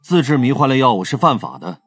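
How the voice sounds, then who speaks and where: Guy doing a formal cop asking questions, husky, composed, audiobook, faint music behind. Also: mid-range voice, animated, fast, dry recording. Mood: businesslike. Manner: formal, direct. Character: composed, businesslike male police interrogator.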